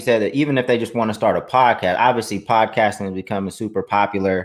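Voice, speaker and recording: Fairly quick speech from a man, ordinary pitch variation, a very clean recording and a silent background. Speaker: livestream interviewer. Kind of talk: interview. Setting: livestream.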